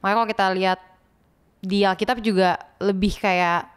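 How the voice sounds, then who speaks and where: A woman's voice: medium pitch, flat delivery, moderate pace, clear, resonant tone. A young woman hosting a podcast, upbeat and encouraging toward her guests. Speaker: podcast host.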